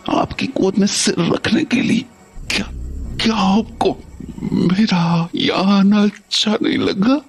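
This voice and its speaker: A man's voice: high voice, fairly even intonation, takes it slowly, husky, faint music behind, exaggerated voice. An actor playing a grown son who returns home after many years and pleads emotionally with his mother, in an audio drama. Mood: pleading.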